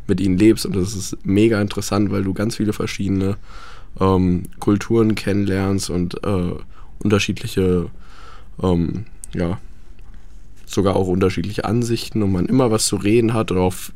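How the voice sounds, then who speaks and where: A man's voice: lowish voice, darkish tone. A young man chatting about life abroad, hesitant with many fillers. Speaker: guest. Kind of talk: casual radio chat.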